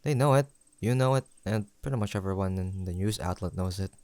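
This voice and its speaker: Male actor playing young man, sentimental best friend, lowish gravelly voice, playful banter, intimate audio drama, close dry sound. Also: no room sound. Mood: teasing, proud. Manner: soft-hearted, playful banter with pauses for an unheard listener. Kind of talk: intimate scripted audio roleplay.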